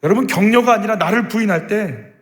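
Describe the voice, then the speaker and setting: A man's voice: sits high, fairly quick. A male pastor preaching a sermon in a church sanctuary, emphatic and full of rhetorical questions to the congregation. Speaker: senior pastor. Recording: reverberant church hall.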